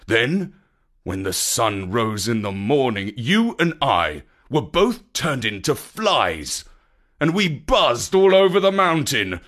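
Brief: man voicing an earnest storybook hero king, slow and expressive. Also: medium pitch, full character voice. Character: brave young heroic king, anxious before battle.

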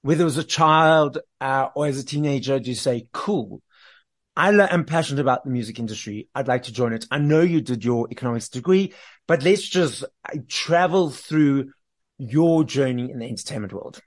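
A South African man hosts an interview podcast. His pitch is mid-range. He opens with an upbeat presenter delivery and then asks his questions in a relaxed way. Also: normal speed. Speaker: host.

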